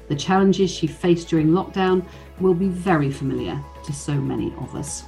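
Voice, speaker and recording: A woman hosting a podcast, reading a warm, encouraging introduction, then chatting with her guest. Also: lowish voice, normal speed, vocal fry, soft background music. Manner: warm, encouraging, many fillers in chat. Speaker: podcast host. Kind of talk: scripted intro, then casual interview.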